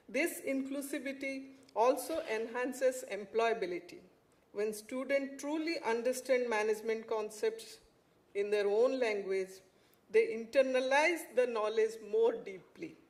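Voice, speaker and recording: This woman has a high voice and an Odisha accent. Her pace is fairly slow, with ordinary pitch variation. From Odisha, India. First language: Odia. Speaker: MBA programme coordinator, academic. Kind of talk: formal ceremonial speech. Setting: launch ceremony event. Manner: formal.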